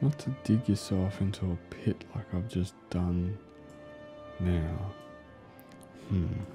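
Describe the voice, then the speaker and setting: A soft-spoken man's very deep, low voice in a relaxed tone, at a very slow pace with long, frequent pauses and ordinary pitch variation, over music in the background. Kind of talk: game guide walkthrough narration. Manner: soft-spoken, relaxed.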